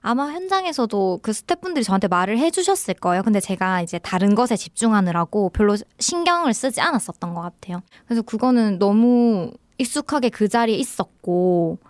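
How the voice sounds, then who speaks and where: Speaking in a Daegu dialect, this young female film director chats reflectively in a radio studio interview and laughs a lot. She talks fairly quickly with hardly any pauses, in a mid-range voice with lively intonation, and the recording has no room sound.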